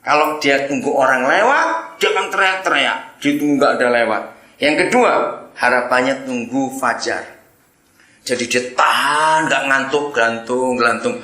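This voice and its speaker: Male preacher, bright and lively, storytelling sermon, echoey hall sound. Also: mid-range voice, normal speed. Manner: animated, acts out voices and sound effects.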